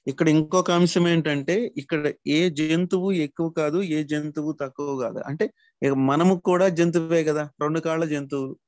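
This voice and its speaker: A man's voice: a little high, fairly even intonation, normal speed, a little mellow, no room sound. A man teaching a spiritual class in an explanatory way, addressing his listeners as masters.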